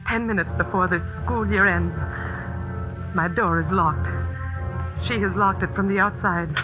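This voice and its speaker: A woman's voice: mid-range voice, unhurried, natural voice. A woman playing a frightened teacher who narrates her own ordeal in breathless first person, in 1940s radio drama style. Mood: fearful. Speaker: narrator and lead character. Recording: muffled 1940s radio broadcast with music.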